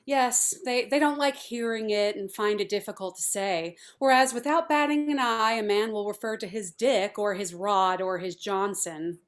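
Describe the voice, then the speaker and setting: A woman playing a brisk, haughty feminist artist in a script read, speaking in a formal, clinical, matter-of-fact way. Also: mid-range voice, close to an everyday voice. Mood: brisk, detached. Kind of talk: table read of a film script.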